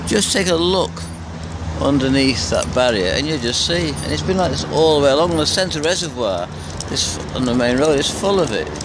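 Noticeable background noise sits behind a man whose voice sounds dry with no echo. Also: moderate pace. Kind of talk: casual vlog commentary. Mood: indignant, exasperated. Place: street. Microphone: phone near.

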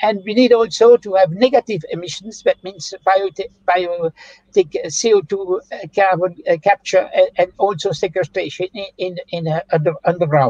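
A man with a French accent speaks at a fairly slow pace in a high pitch with ordinary pitch variation. His loudness swings widely, and the sound is dry with no echo. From France. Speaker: agricultural scientist; webinar speaker. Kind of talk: lecture. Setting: video call. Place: home room. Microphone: video call.

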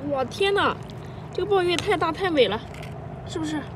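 Animated in tone, a woman speaks at a fairly quick pace with ordinary pitch variation. The sound is dry with no echo, though there is noticeable background noise. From Shandong, Rizhao; Shandong. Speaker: seafood-foraging vlogger. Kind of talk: vlog narration while beachcombing. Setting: outdoors on the seashore. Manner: animated, frequent exclamations. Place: beach. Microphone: phone near.

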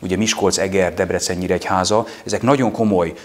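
A man is talking. His pace is very fast. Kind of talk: interview answer. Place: office. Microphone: lapel.

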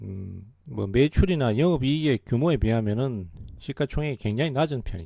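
Speaking at a moderate pace, a man with an unremarkable speaking voice uses lively intonation. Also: medium pitch for a man. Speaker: stock market analyst. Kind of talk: market commentary.

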